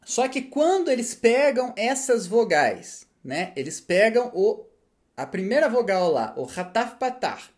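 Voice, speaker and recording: A man's voice: high voice, very animated, unhurried. A man teaching a language lesson, checking understanding with frequent tag questions and answering his own rhetorical questions. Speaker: Hebrew teacher. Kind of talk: explanatory lesson.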